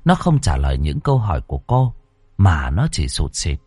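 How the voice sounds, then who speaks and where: A man reading a ghost story aloud as a storyteller, with a dramatic, expressive delivery. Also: rumbling low, moderate pace, husky, dry recording. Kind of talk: scripted horror narration. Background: faint music.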